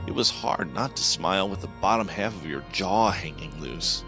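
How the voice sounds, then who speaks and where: A man's voice: low-pitched, lively intonation, moderate pace, pushed and bright. A man narrating a first-person horror story in a tense, dramatic manner over background music. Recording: music playing behind.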